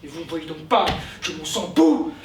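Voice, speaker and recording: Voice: medium pitch, big pitch swings, normal speed, far from the mic, music in the background, close to an everyday voice. A young actor playing an ardent, hot-headed male suitor in a stage comedy, speaking in passionate declamation. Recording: roomy stage from afar, audience audible.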